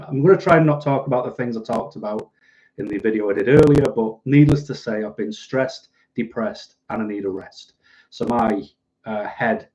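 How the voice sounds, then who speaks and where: A man with a softened Mancunian accent chatting casually on a livestream to his viewers, rambling along in a dry, sardonic way. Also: mid-range voice, muffled recording. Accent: Mancunian, softened northern English. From northern England, Manchester. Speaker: livestream host. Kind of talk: casual livestream chat, reading out and answering viewers' comments.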